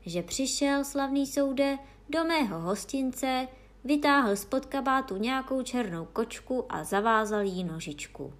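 Ustrašený hostinský v podání ženy mluví bázlivě a úslužně. Hlas má vyšší a vzrušenější než vypravěčka. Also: female voice, fairly high pitch, expressive, hardly any pauses, darkish tone, voice pushed up, natural voice. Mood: bázlivý.

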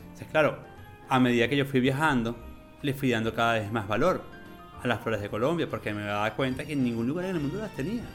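Man, mid pitch, gushing interview storyteller, faint music behind. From Venezuela. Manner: enthusiastic, animated, drawn-out emphasis. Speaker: interview guest, florist. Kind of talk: conversational storytelling.

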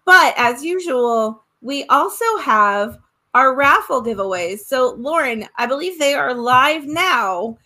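A woman's voice: high voice, lively intonation, slow pace, sharp tone. A woman hosting a podcast, running the segment in an upbeat, agreeable way. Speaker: podcast host. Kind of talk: casual podcast chat.

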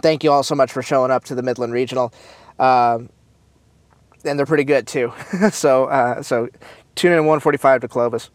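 A man hosting a casual talk show, chatty and upbeat, with many fillers, restarts and quick asides. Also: mid-range voice, dry recording. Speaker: host. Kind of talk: casual chat about marching bands.

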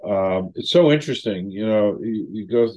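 A man in his seventies hosting an interview, speaking reflectively and haltingly with many fillers. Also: lowish voice, lively intonation, warm tone, poor audio. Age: 70s. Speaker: host. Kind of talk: interview conversation.

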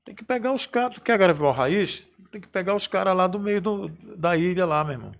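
A man's voice: sits high, a little fast, gravelly, highs cut off. A man, a band musician telling stories in a casual, slangy chat. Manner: animated storyteller, informal slang.

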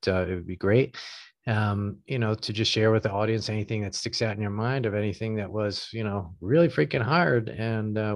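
Easygoing male podcast host, lowish voice, dead-dry room, wandering questions. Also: no room sound. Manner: rambling, relaxed, lots of fillers. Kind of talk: casual interview chat.

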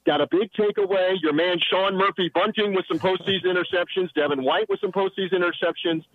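A man reporting from the sideline as a radio show guest, rattling off confident football analysis. His voice sits a little high and sounds close and dry. He is calling in from under shelter outside a stadium. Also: fairly even intonation, no room sound, phone-quality sound. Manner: confident, rapid-fire football breakdown. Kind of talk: radio sports analysis by phone.

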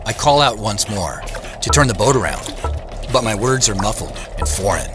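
A man playing an earnest, reflective tech executive, narrating and speaking in an audio drama in a measured, understated way. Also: on the low side, big pitch swings, over music. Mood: hushed wonder. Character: reflective Seattle tech CEO, earnest man narrating his own story. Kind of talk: first-person scripted audio drama narration and dialogue.

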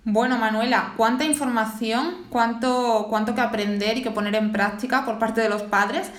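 A woman's voice: a little high, steady tone, moderate pace. A woman hosting a podcast, summing up the guest's points and leading into new questions. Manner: friendly interviewer, sums up and leads to questions. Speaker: podcast host. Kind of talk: podcast interview. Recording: roomy echoing sound.

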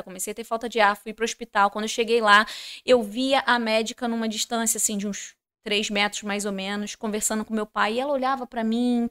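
A woman's voice: mid-range voice, a bit bright, clean tone. A woman, a podcast guest telling her faith testimony, who acts out the dialogue she quotes and speaks straight to the listeners. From Rio de Janeiro, Brazil. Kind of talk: personal faith testimony in conversation.

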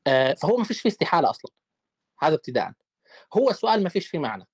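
Rapid-fire man debating. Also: fairly high pitch, breathy edge, dry recording, clean studio sound. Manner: animated, rapid-fire rhetorical questions. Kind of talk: casual online debate.

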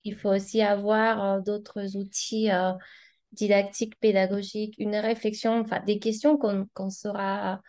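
A woman's voice: medium pitch, level tone, measured pace, darkish tone. A woman whose first language is Spanish, a language teacher talking as a guest in a casual discussion, thoughtful and hesitant, searching for words. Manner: hesitant, many fillers and restarts, thoughtful.

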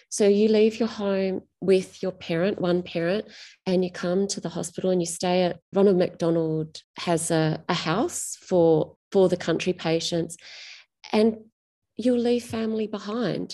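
A middle-aged woman being interviewed about her writing. Her voice is dark and mellow with a gravelly edge. She speaks thoughtfully and often restarts her phrases. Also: mid-range voice. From Australia. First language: Greek. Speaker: author.

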